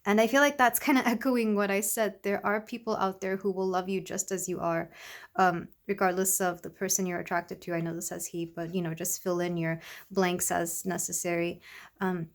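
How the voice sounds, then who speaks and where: A woman with a congested voice, recovering from illness, giving a soft, rambling tarot reading to her viewers. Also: fairly low pitch, level tone, moderate pace. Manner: soft, rambling, with many fillers. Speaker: tarot reader. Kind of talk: casual tarot reading to camera.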